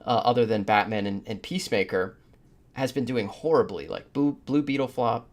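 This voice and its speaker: A man's voice: mid-range voice, moderate pace. A man hosting a casual panel podcast, talking conversationally and laying out his points at length. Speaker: podcast host. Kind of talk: casual panel discussion of superhero films.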